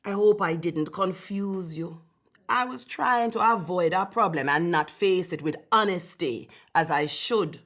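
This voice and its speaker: A woman's voice: on the low side, measured pace, fairly bright tone. A woman acts out a storybook uncle who dodges trouble. He is evasive and sheepish, with a colloquial, sighing way of talking. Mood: sheepish, apologetic.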